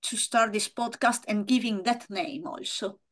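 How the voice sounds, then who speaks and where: A woman with a strong Italian accent hosts a casual interview. Her pitch is average for a woman, and she talks conversationally over a video call from a room at home. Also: unhurried. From Italy. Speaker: podcast host.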